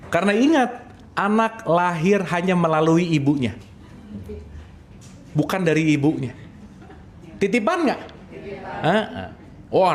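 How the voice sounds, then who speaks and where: A man leads a casual religious study session. His voice sits high for a man and leaps about with animated swings in pitch. He teases and keeps checking in with his listeners. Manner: playful, lively, asks the audience often. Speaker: religious teacher.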